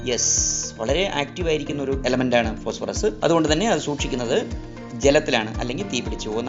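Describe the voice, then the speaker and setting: A man running a chemistry quiz lesson, who repeats each question and mixes languages as he coaxes listeners toward the answer. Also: medium pitch. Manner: repeats each question, switches between languages, coaxing pauses. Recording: roomy, slightly dull sound with faint music.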